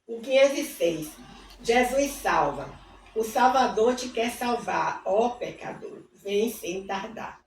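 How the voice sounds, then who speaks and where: A woman's voice: medium pitch, slight background noise. A woman leads a devotional reading, reciting hymn lyrics with fervent asides and then praying. Her voice sits in a middle range. It carries the echo of a room and sounds set back from the microphone. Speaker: Bible reading host. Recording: roomy, distant mic with faint ambience.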